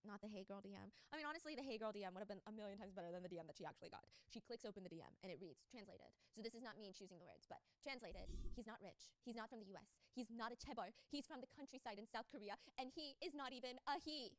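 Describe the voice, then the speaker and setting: Rapid-fire sarcastic young woman storyteller. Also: mid-range voice, dry recording. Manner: animated, sarcastic, swears freely. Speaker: storyteller YouTuber. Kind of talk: retelling a true scandal story to a co-host.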